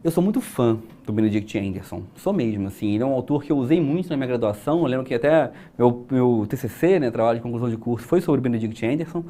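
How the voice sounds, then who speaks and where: A man's voice: mid-range voice, lively intonation, quick pace, few pauses, mellow, a little hiss or hum. A young Brazilian man teaching an exam-prep class, chatty and explanatory, asking rhetorical questions. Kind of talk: recorded exam-prep lesson.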